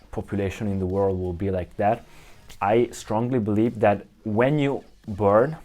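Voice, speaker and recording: A man's voice: fairly low pitch, a little mellow. A young man from Italy with an Italian accent, talking casually to camera in English, often restarting and searching for words. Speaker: vlogger.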